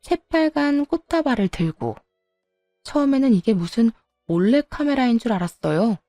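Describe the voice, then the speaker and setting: A woman's voice: on the high side, sing-song, moderate pace, dark tone, no room sound, studio quality, faint music behind. Wry woman narrating a story. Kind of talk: scripted first-person story narration.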